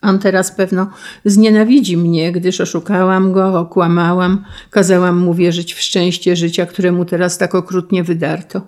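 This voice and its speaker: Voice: mid-range voice, flat delivery, normal speed, a little mellow, lightly acted. A reader voicing a noble countess and mother confessing before the judges, in a solemn, emotional audiobook reading. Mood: solemn tearful. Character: grieving noble countess, mother, testifying in court.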